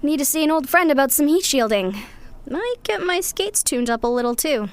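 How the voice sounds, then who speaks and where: A woman's voice: high-pitched, expressive, moderate pace. A woman playing a cocky, scrappy young resistance scavenger with a casual, flippant manner in a sci-fi audio drama. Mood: breezy, wry.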